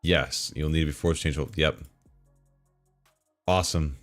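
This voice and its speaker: A deep-voiced male streamer chatting casually as he reads forum posts aloud while his game loads. He drops dry, sarcastic remarks and chuckles between lines, with soft music in the background. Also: steady tone, a little slow.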